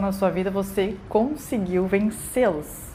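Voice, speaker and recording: Very slow, calm speech from a woman at a medium pitch, with audible room echo. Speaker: spiritist study teacher. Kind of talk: live-stream study class. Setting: live stream. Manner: calm, meditative.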